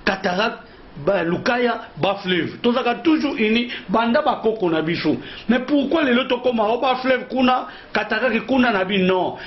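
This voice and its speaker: A man's voice: very high-pitched, lively intonation, moderate pace. A man from Kongo Central in DR Congo, a guest who founded an association, explaining in earnest at length and repeating his phrases. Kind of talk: interview talk mixing French and Lingala. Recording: dull lo-fi sound.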